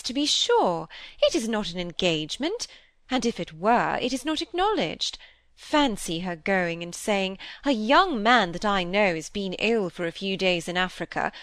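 Here a woman reads aloud as a gushing, fussy middle-aged stepmother who is vain, chattering, and quick to dismiss, in an audiobook character voice. Her medium-pitched voice is very animated, with a fairly bright tone. The recording has no echo, and the mood is gushing.

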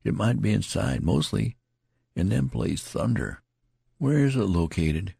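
A man's voice: on the low side, expressive, measured pace, gravelly, warm tone, breathy edge, no room sound, studio quality, pitched above the performer's own voice, full character voice. A man voicing a dazed, wounded male soldier who rambles in a slurred, folksy country dialect. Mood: worried. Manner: pleading, repetitive, plaintive.

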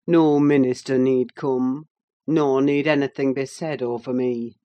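Haunted brooding older man, voiced by an audiobook reader: slow, grave, intense lines. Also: mid-range voice, fairly even intonation, lo-fi sound, lightly acted. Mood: solemn. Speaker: character in an audiobook. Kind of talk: dramatic audiobook reading.

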